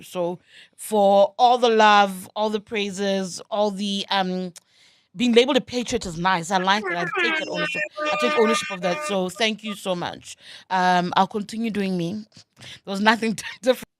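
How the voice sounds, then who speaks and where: A woman in a played interview clip, speaking in a measured, candid and self-assured way. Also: mid-range voice, no echo, studio quality. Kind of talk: reflective interview answer.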